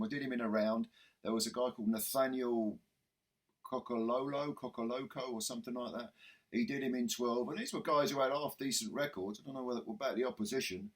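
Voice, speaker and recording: Hoarse, husky male host, casual rambling delivery. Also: mid-range voice. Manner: chatty, rambling with fillers and restarts. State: losing his voice, hoarse. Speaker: boxing channel host. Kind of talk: casual video commentary.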